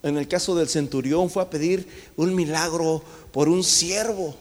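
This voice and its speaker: A man's voice: on the high side, unhurried. A man preaching a sermon, fervently and often calling out to his congregation as brothers. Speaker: pastor. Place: church sanctuary. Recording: long church hall reverb.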